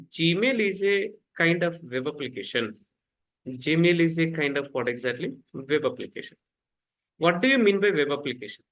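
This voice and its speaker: A man with a somewhat high voice teaching a live online class over a computer mic. He repeats himself often, tacks "actually" onto his sentences and quizzes students to keep them with him. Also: fairly bright tone, low-quality recording. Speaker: instructor. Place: home, rain outside.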